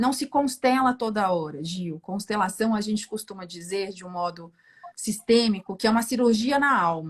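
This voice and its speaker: A somewhat breathy woman at medium pitch, lively in intonation, at a moderate pace. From Brazil, São Paulo. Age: 50s. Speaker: family constellation therapist. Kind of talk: live-stream interview.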